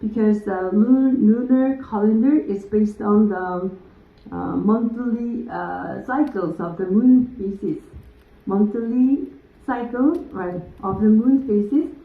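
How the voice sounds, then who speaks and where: Korean-accented woman, slow hesitant lecture, tinny thin audio, echoey lecture room. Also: medium pitch. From South Korea. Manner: hesitant, many fillers, laughs often. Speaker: guest lecturer. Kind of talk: lecture to a live audience.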